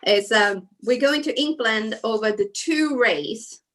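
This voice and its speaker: Brief: chatty Swedish-born woman, bright forward tone, video-call guest. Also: a little high, slow pace. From Sweden. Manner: warm, chatty, many fillers and soft trailing asides. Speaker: guest designer. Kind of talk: casual chat while crafting.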